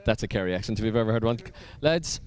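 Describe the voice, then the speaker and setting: Irish male pit presenter, clear smooth voice, casual and upbeat, live outdoors. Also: fairly low pitch, animated, fast talker, darkish tone. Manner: chatty, upbeat, fills with ums. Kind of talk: live event pit-walk interviews. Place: outdoors at a drift event.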